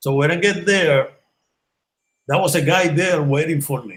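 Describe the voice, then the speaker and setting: This man speaks with a Puerto Rican accent. His pitch is fairly high. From Puerto Rico. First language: Spanish. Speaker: former baseball pitcher. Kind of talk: interview. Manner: halting.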